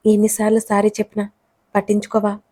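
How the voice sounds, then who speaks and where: A woman's voice: medium pitch, monotone, fast talker, warm tone, dry recording, natural voice. A woman voicing a teasing young man. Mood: pleading. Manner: teasing and coaxing.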